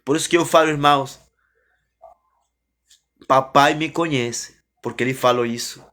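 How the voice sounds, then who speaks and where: A man giving an emotional religious testimony as a preacher, fervent and repetitive, often rising and then falling soft. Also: mid-range voice, normal speed.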